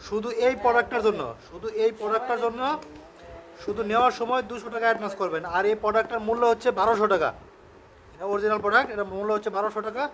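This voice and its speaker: A man with a Bangladeshi accent giving a casual product demonstration and sales pitch, explaining step by step and often repeating himself. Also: fairly even intonation, very fast, fairly bright tone, soft background music. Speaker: shop seller presenting a product on his channel.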